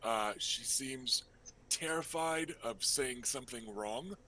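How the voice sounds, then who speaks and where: A man working as game master, narrating a tabletop role-playing game in a casual, halting, improvised way. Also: medium pitch, pushed and bright, slight background noise, poor audio.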